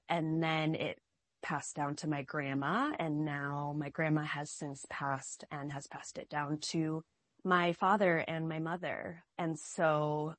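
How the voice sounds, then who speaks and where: A young adult woman from Minnesota, answering interview questions in a slow, reflective, earnest way. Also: low-pitched, dry recording. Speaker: guest, artist.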